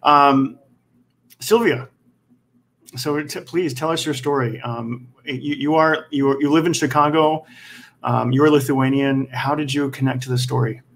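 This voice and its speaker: A man hosting an online panel by video call, speaking haltingly and repeating words. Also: medium pitch, steady tone, slight background noise. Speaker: host.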